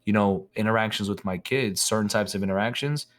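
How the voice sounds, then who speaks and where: A man's voice: on the low side, brisk. A man co-hosting a podcast, a father of three girls who talks conversationally and keeps asking "you know what I'm saying". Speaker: podcast co-host. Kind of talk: casual podcast chat.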